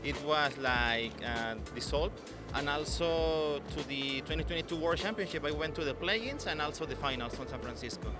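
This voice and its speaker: A man from Mexico recalls past events with enthusiasm. His voice sits a little high, and music plays clearly behind him outdoors. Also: normal speed. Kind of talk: casual interview answers.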